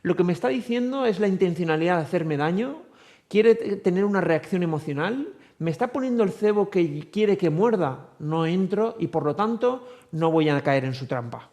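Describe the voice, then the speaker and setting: A man speaking as a psychologist in a television interview, explaining patiently with examples and frequent pauses on "eh". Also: high-pitched, animated, a little mellow. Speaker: psychologist guest.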